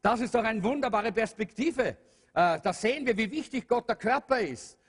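A man's voice: high-pitched, lively intonation, moderate pace, slightly rough. A man preaching a sermon to a congregation, earnest, with many fillers and rhetorical questions. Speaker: pastor. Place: church hall. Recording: long hall reverb.

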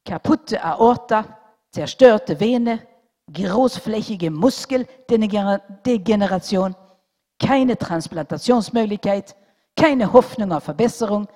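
A woman telling a religious story at a church service, slowly and deliberately, with dramatic pauses. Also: mid-range voice, warm tone. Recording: long hall reverb.

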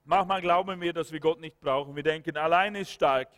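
A man's voice: a little high, brisk, a bit bright. A man preaching a fervent sermon, breaking into prayer and peppering his points with hallelujahs and amens. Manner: breaks into spoken prayer and commands. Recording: long hall reverb.

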